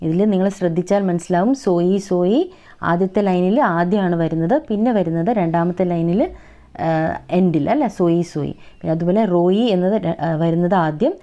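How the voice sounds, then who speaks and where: A woman teaching a children's Hindi lesson. She recites a poem slowly in a sing-song way, then explains it patiently and asks the children questions. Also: on the low side, mellow, lo-fi sound.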